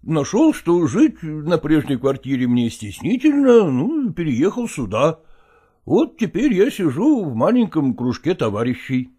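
A man's voice: fairly high pitch, sing-song, unhurried, mellow, husky, exaggerated voice. A man reading aloud voices a flustered middle-aged man who mumbles and hesitates. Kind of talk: audiobook reading of a classic novel.

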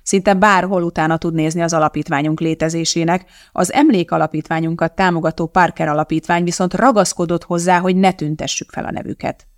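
A reader voicing a sly, sarcastic older male bishop who runs an orphanage, speaking smoothly and evasively. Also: fairly high pitch, fairly even intonation, hardly any pauses, no echo, studio quality, lightly acted. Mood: persuasive.

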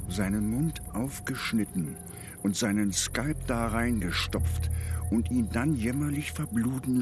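An actor playing a bitter, vengeful ageing white cowboy in a Western radio drama, gruff and grumbling. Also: male voice, mid-range voice, natural voice.

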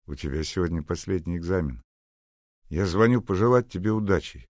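A man's voice: sits low, expressive, a little fast, darkish tone, no room sound, studio quality, voice pushed up. A man voicing an eager, caring young man on a long-distance call. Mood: reassuring.

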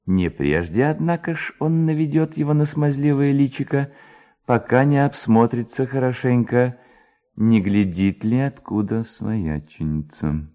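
A man reading literary prose as a narrator, in an expressive, theatrical storytelling manner. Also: medium pitch, unhurried.

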